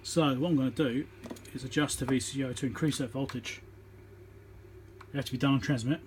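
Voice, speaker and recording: Recorded on a phone on a tripod with a little hiss or hum, a man walks through a hands-on electronics repair in an informal, matter-of-fact way, thinking out loud. His mid-range voice is steady and darkish, and he talks a little fast.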